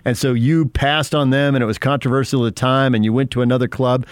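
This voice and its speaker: A man's voice: mid-range voice, fairly even intonation, fast talker, clean tone, dry recording. A male radio co-host interviewing a guest, teasing and laughing easily.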